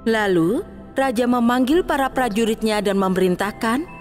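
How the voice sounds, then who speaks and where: A woman's voice: a little high, moderate pace, a little mellow, soft background music. A woman narrating a scripted children's fairy tale as the storyteller.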